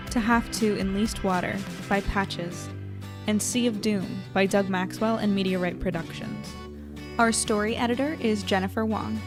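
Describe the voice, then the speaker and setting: A woman, the show's creator, reading scripted podcast credits. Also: medium pitch. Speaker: show creator and cast member reading credits.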